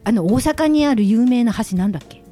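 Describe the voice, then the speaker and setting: Giggly, animated woman co-host. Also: a little high, fast, faint music behind. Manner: lively, giggly storytelling. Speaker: radio show co-host. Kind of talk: casual chat.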